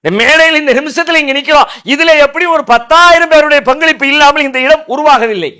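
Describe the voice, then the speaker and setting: A man preaching from a stage podium, chanting scripture verses slowly and then explaining them in everyday speech. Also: extremely high pitch, bright, forceful tone. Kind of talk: Islamic sermon on a stage. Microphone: podium microphone.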